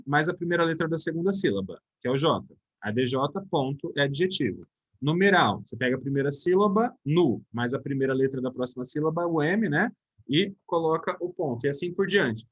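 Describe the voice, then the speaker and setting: Man, grammar teacher, chatty, fairly high voice, husky. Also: fairly bright tone. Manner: chatty, addresses students as "galera", asks and answers own questions. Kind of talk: recorded grammar lesson.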